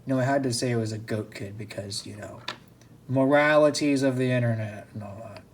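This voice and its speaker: A man voicing an ancient male dragon god who speaks in slow, low, lofty pronouncements. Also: slight background noise, natural voice.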